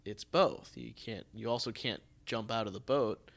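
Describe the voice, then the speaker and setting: An American man hosting a casual podcast conversation, musing in a halting way as he thinks aloud. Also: on the low side, creaky. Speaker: podcast host and theatre artistic director.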